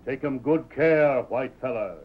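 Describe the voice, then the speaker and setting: An actor playing a commanding tribal chief in a 1930s radio western, in blunt broken English. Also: male voice, medium pitch, a little slow, natural voice. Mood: commanding, generous. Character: commanding, generous Native American tribal chief. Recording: muffled 1930s radio recording.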